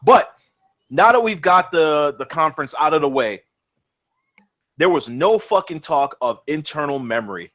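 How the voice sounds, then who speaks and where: A young man hosting a casual gaming chat, speaking a little higher than most men. He is excitable, curses freely and often restarts his words. His voice comes through a muffled, lo-fi online call. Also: normal speed. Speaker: podcast host.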